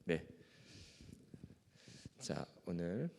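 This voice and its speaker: A man's voice: low-pitched, sing-song, very slow, gravelly, a little mellow, slight background noise. A male pastor with a strained, ailing throat, teaching a Bible class in a formal, earnest way. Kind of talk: Bible lecture with reading and prayer. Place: church hall. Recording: long echoing hall reverb.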